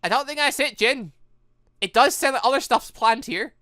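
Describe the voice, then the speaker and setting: A woman hosting a gaming video, giving casual, excitable playthrough commentary with halting exclamations. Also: high voice, no room sound, clean studio sound.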